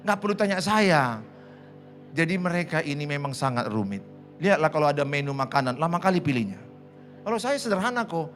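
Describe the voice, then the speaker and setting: A man's voice: fairly high pitch, expressive, fast talker, over music. A man preaching a sermon as pastor, humorous and acting out everyday dialogue, then rising to impassioned exhortation. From Indonesia. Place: church.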